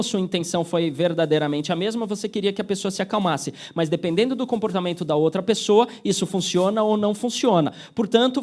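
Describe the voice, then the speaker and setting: A man with a Brazilian Portuguese accent gives a motivational talk to a live group, his voice pitched high for a man. He keeps asking the crowd yes-or-no questions and slips into quick acted-out bits of dialogue. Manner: lively, asks the audience yes-or-no questions, acts out little scenes. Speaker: speaker giving a motivational talk. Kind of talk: interactive motivational lecture.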